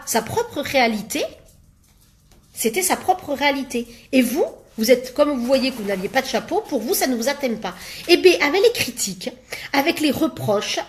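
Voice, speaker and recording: A woman life coach speaks straight to her viewers in a casual motivational talk. Her voice sits a little high, and she chats along with plenty of fillers, sometimes acting out small made-up exchanges. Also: expressive, moderate pace, slight background noise. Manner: chatty, many fillers, acts out little quoted exchanges.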